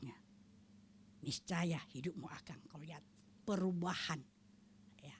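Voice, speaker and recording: An older woman giving a spoken Christian testimony, animated and acting out the voices she quotes, sometimes dropping to a whisper. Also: deep voice, unhurried, a little hiss or hum. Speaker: testimony speaker at prayer fellowship.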